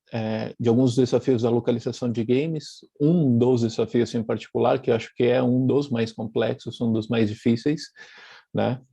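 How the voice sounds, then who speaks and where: An Argentine publisher, appearing as a guest speaker, presents an online lecture over a video call with a light Argentine accent. He is thoughtful, using plenty of fillers and restarts. His medium-pitched voice is creaky and warm, with no room sound.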